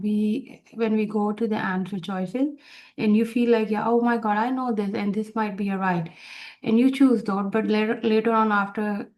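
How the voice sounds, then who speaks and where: Casting: female instructor, native Urdu speaker with South Asian accent, explaining study tips informally, encouraging and repetitive, mid-range pitch. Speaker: exam review instructor for nursing students.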